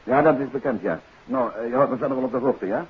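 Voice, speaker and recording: A man acting a composed, inquisitive gentleman detective in a 1950s radio drama, speaking courteously and in measured questions. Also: medium pitch, husky. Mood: businesslike, curious. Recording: dull, noisy 1950s radio recording.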